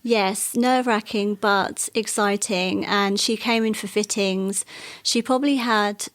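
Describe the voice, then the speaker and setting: A woman born in Wales, a guest in an interview, recounting her career in a relaxed, chatty way. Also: mid-range voice, unhurried. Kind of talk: interview conversation.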